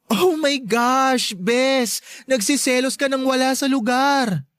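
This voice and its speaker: An actor playing a sassy, campy gay best friend in a Tagalog radio drama, teasing and bluntly caring, drawing out emphatic words. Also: male voice, very high voice, takes it slowly, fairly bright tone, clear, resonant tone, dry recording, studio quality, heavily acted. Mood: blunt, encouraging.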